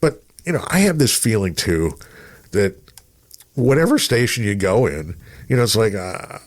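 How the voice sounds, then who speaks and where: A man's voice: lowish voice, big pitch swings, normal speed. A middle-aged man chatting casually as a radio personality, rambling through anecdotes and voicing remembered remarks. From Texas, United States.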